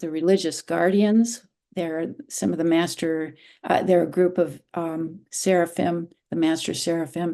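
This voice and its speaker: This woman speaks at a moderate pace in a fairly low voice with a dark, mellow tone. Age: 70s. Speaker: religious educator, presenter. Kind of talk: presentation with slides; personal anecdote. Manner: hesitant, many fillers.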